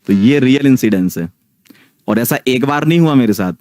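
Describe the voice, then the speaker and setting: A man's voice: mid-range voice, animated, moderate pace, a little mellow, no room sound. A man in his thirties telling a ghost story casually to a live online audience, often checking in with his listeners. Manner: chatty, keeps checking in with the listeners.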